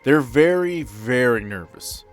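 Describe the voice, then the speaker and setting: A man's voice: mid-range voice, expressive, slow pace, faint music behind. A man narrating a tabletop role-playing game as game master.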